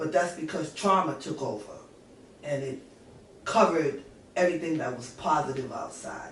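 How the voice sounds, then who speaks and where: A woman speaks at a moderate pace in a very deep, low voice with ordinary pitch variation. Audible room echo and noticeable background noise are present. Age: 50s. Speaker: podcast host. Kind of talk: casual interview.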